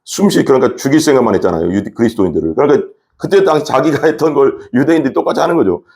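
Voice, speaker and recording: A man preaching a sermon as pastor, telling his story in an animated way. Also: very fast. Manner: animated storytelling preacher, lively swings in pitch. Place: church.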